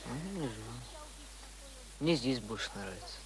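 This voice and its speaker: A man's voice: mid-range voice, animated, a little slow, a crowd in the background, natural voice. An actor playing a simple young village boy in a radio play, with plain colloquial speech. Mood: wistful. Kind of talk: radio drama acting.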